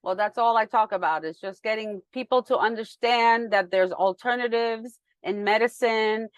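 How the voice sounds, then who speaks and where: A woman hosting a podcast, chatty and quick to laugh, stumbling over words now and then. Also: a little high, dry recording. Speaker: podcast host. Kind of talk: casual interview talk.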